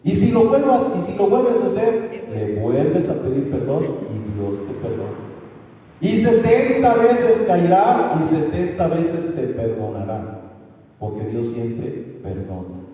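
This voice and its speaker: A man's voice: mid-range voice, big pitch swings, slow pace, mellow, a little hiss or hum. A pastor preaching a sermon in a conversational way, often stopping to ask his listeners if they follow him. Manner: conversational preaching with rhetorical questions. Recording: echoey church hall from far off.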